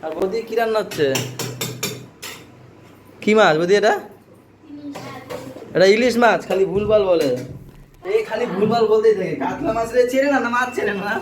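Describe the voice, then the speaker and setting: Chatty dad vlogging at home. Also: male voice, high voice, normal speed, pauses often, roomy sound, background noise. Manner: chatty, teasing, talks to family off camera. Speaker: vlogger, father. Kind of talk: casual family vlog.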